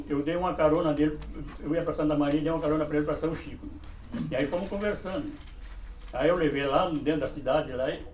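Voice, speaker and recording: Man, southern Brazilian gaucho accent, raised pitch, echoey room, faint hiss. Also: darkish tone. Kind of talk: documentary interview and verse recital.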